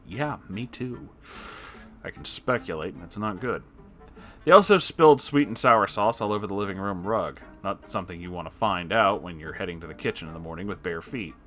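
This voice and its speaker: A man with a fairly low voice hosts a story reading over faint music. He moves between narration and his own commentary. His asides are sarcastic and exasperated, delivered expressively. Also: a bit bright. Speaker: host reading and reacting to online stories.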